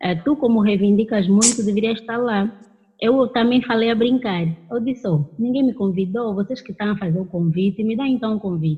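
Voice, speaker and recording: This is an ordinary speaking voice, delivered at a moderate pace with ordinary pitch variation. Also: woman, fairly high pitch for a woman. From Angola, Lobito. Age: 20s. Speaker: petroleum engineer and conservationist. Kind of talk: panel discussion.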